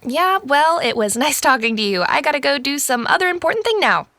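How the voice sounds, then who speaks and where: A woman's voice: high voice, sing-song, brisk, sharp tone, dry recording, full character voice. A woman playing a skeptical, sarcastic sixteen-year-old girl in an audio drama, with a wry, incredulous manner and stammers. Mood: dismissive.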